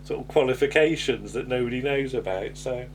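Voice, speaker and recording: A man's voice: medium pitch, a little fast, slight background noise. Rambling Englishman in casual chat. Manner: hesitant, rambling, tag questions. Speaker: podcast host. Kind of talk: casual episode-review chat.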